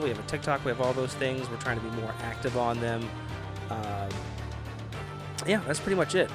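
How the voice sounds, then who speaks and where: A man with a medium-pitched voice talks casually as a podcast host and player. His phrasing is loose and informal, and music plays clearly behind him. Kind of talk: casual chat.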